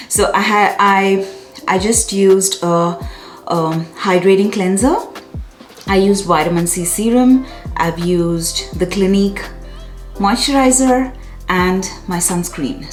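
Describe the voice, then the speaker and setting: A woman's voice: mid-range voice, a little mellow. Woman, 30s, chatty beauty vlogger, effusive and self-correcting, roomy echo with faint music under her. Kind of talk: casual product review to camera. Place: small bright room indoors.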